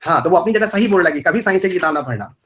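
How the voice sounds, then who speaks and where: A man's voice: high-pitched, expressive, a bit bright, lo-fi sound. A man with a rural north Indian Hindi accent, teaching a live online exam-prep lecture, firing rhetorical questions and scolding his students. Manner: rapid colloquial Hindi mixed with English terms.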